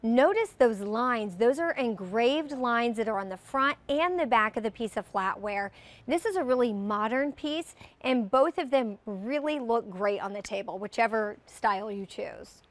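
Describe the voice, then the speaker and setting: Middle-aged woman, brand guest, descriptive sales talk, fairly high voice, tv studio. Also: animated, moderate pace. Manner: warm, descriptive product talk. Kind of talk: live TV shopping presentation. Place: TV studio set.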